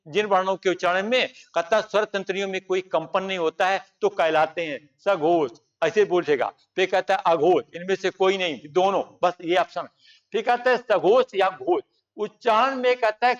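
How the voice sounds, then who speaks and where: A man's voice: sits high, distant mic, muffled recording. A man teaching a grammar lesson for exam preparation, explaining at length and pointing out examples on the board.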